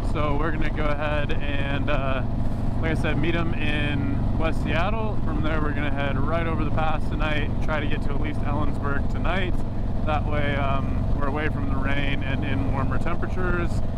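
At a moderate pace, a man talks through loud background noise in a dry sound with no echo. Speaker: motorcycle rider vlogger. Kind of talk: casual vlog chat. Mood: relaxed, slightly disappointed. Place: motorbike. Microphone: helmet.

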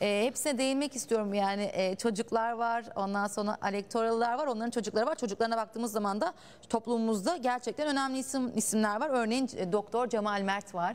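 Using a plain, everyday voice, a woman with a fairly high pitch and ordinary pitch variation talks at a fairly quick pace with hardly any pauses. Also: very even loudness. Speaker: TV presenter. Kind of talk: TV interview. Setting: studio. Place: studio.

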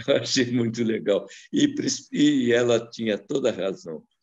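Very slow speech from a man. The background is quiet. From Brazil, Rio de Janeiro. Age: 80s+. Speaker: actor and voice actor; actor interviewee. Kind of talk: interview; interview answer. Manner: halting. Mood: warm, nostalgic. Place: home room. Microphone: video call.

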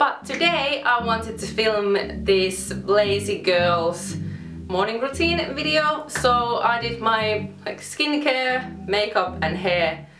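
A woman speaks very slowly while music is clearly heard behind her. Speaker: beauty vlogger. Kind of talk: casual vlog chat. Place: bathroom. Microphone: camera far.

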